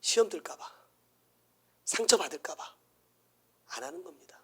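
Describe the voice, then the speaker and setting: A middle-aged man with a Jeolla Korean accent, preaching a sermon as pastor, dropping to hushed whispers and rising to shouts. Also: sits high, lively intonation, moderate pace, husky.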